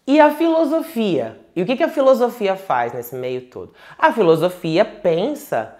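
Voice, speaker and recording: A man's voice: sits high, sing-song, moderate pace, a little mellow. Man with a Manaus accent, tarot teacher, casual home lecture, chatty, digressive, tag questions. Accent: Manaus Portuguese. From Manaus, Brazil. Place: home, indoors.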